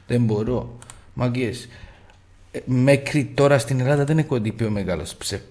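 A man from Greece giving casual, boastful commentary on slot machine spins, swearing freely and shouting at the reels. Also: medium pitch.

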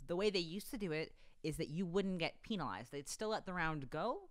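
A young adult woman co-hosting a podcast at home, talking in a rambling, animated way full of fillers, close to a desk mic. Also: lowish voice, fairly quick. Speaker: podcast co-host. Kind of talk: casual chat. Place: home studio room with bookshelves. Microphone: desk broadcast mic on boom arm.

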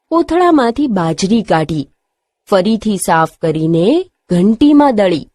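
A woman's voice: mid-range voice, darkish tone, dry recording. A woman teacher telling a story and leading a lesson for young children.

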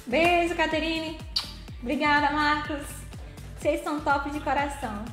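A woman's voice: high-pitched, fairly even intonation, normal speed, fairly bright tone, reverberant, faint music behind. A woman hosting a casual live stream while playing a game, chatty and thanking viewers by name.

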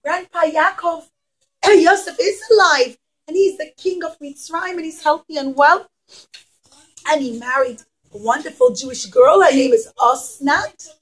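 Brief: sweet, gentle granddaughter for a puppet show, high voice played by a woman. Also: poor audio. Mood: happy, reassuring. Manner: gentle, often slow singsong. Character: gentle, caring musical young granddaughter Serach.

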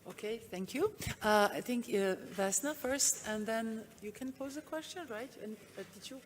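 A woman's voice: fairly high pitch, moderate pace. A woman informally moderating a conference session and handing turns to speakers. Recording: slightly noisy conference room.

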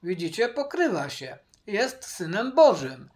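A man teaching from the Bible, speaking deliberately, repeating his key points and addressing viewers directly. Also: high-pitched, very animated, a little mellow. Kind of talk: Bible study commentary.

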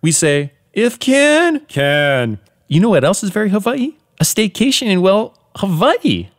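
A young adult man reading scripted commercial and narration copy as a voice actor, polished and clearly enunciated, close on a studio microphone. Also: high-pitched, big pitch swings, measured pace. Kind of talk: scripted commercial and narration voice-over demo reel. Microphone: studio condenser microphone, close.

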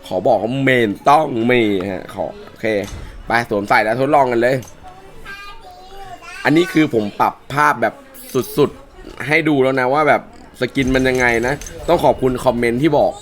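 A man with a worn-out, hoarse voice hosting a casual game skin review, chatting along and pushing his voice lower than usual. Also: normal speed. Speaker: mobile game channel host.

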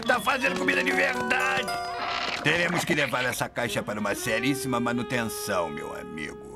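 A man voicing a shifty, blustering cartoon buzzard with a gravelly voice, in a Brazilian dub. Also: mid-range voice, very animated, a little fast. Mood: greedy excitement. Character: shifty excitable cartoon buzzard swindler, adult male. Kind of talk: animated comedy dub. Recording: loud cartoon music behind.

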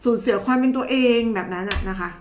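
A woman's voice: a little high, quick pace, background noise. A woman doctor giving a casual, chatty health explainer, talking to viewers in a familiar, teasing way. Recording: roomy echo.

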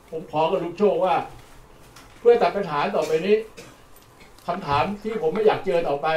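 An older lecturer on charcoal gives a plain-spoken workshop talk outdoors, using repetition for emphasis, in a fairly high, slightly mellow voice. Captured from a distance, the recording sounds roomy with faint noise.

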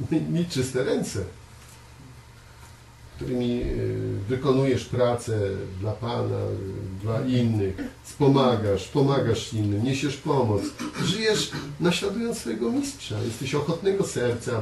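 A man preaching a conversational sermon to a small congregation, earnest, often repeating words and pausing on fillers. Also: mid-range voice, animated, creaky, a little mellow. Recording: echoey room, voice from far off, faint hiss.

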